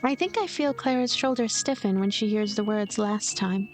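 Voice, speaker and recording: A woman's voice: mid-range voice, moderate pace, faint music behind, natural voice. A woman voicing a lonely, cynical, manipulative girl who narrates a visual novel in a detached, coaxing way. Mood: cold, matter-of-fact.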